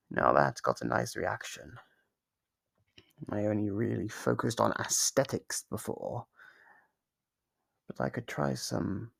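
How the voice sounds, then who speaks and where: A man's voice: medium pitch, a little mellow, exaggerated voice. A man voicing a sadistic, playful monster holding human prey captive, menacing and theatrical as he muses aloud in an ASMR horror roleplay. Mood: scheming delight. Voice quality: gravelly, husky.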